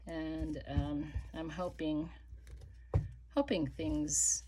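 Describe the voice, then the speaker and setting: A middle-aged woman chatting casually while she crafts, rambling with many fillers and dropping to soft murmurs as she works. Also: low-pitched, flat delivery, drawn-out words, noisy background. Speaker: crafting vlogger.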